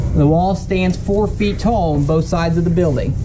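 A man is heard over noticeable background noise. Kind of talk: tutorial. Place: farm machine. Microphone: camera far.

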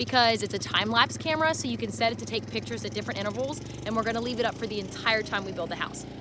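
The sound is dry with no echo as a woman speaks at a very fast pace over noticeable background noise. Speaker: home-building vlogger. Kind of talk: casual vlog chat. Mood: excited, upbeat. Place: open country. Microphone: phone near.

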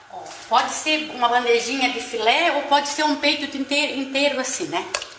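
The speech goes at a moderate pace amid noticeable background noise. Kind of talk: cooking tutorial. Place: kitchen. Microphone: camera far.

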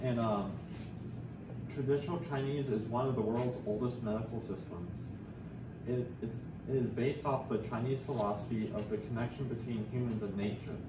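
A man speaking with long, frequent pauses amid noticeable background noise. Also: moderate pace. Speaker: student presenter. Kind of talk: class presentation. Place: classroom. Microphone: camera far.

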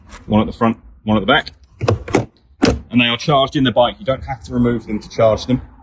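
A man talks at a very fast pace with ordinary pitch variation. Loud background noise runs behind him. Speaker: motorcycle dealership salesperson. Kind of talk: product walkthrough commentary. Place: street. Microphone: phone near.

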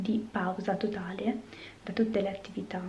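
A soft-spoken man whispers. Light background noise can be heard. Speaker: ASMR creator. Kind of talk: ASMR whispering video for sleep, talking to camera. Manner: whispered, soft-spoken. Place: home room.

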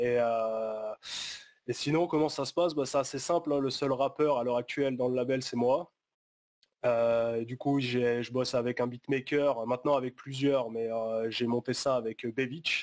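A man at a fairly slow pace, fairly even in intonation, against a quiet background. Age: 20s. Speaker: rapper; interviewee. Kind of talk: interview. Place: studio.

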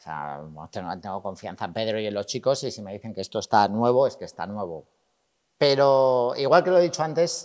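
A man's voice shows big swings in loudness and very wide pitch swings at a moderate pace. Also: quiet background. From Spain. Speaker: car YouTuber. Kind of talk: casual vlog presentation. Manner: animated. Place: shop.

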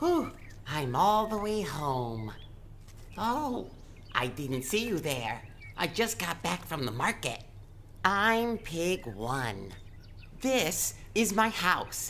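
In a cartoonish character voice, a man speaks with a high pitch at a very slow pace, leaving long, frequent pauses over clear background noise. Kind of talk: children's puppet story.

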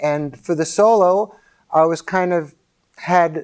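With ordinary pitch variation, a man speaks over a quiet background. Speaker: guitarist demonstrating tones. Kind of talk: tutorial. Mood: relaxed, friendly. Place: studio. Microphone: lapel.

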